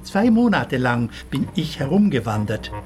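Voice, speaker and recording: A man's voice: medium pitch, sing-song, a little slow, a little mellow, soft background music. An actor playing a proud retired plasterer in his seventies in a radio play, telling his family's war story earnestly. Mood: somber. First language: Italian.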